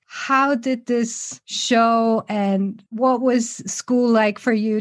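A woman hosting a podcast in a bubbly, talkative way, introducing her show and her guest. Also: a little high. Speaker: podcast host and coach.

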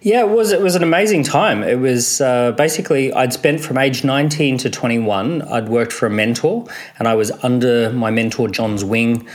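A man's voice: medium pitch, normal speed, hardly any pauses. A man, answering conversationally as an entrepreneur guest in an interview. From Australia.

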